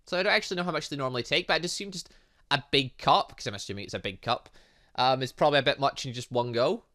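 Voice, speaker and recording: A man's voice: medium pitch, rapid-fire, pushed and bright. A young man giving casual let's play commentary on a visual novel, rambling and thinking aloud with muttered filler sounds. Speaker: gaming channel host.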